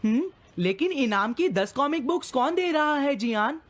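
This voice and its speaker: High-voiced sidekick schoolboy. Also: animated, moderate pace. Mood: eager, deferential. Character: sly, whiny schoolboy sidekick in a comedy cartoon. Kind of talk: dubbed cartoon acting.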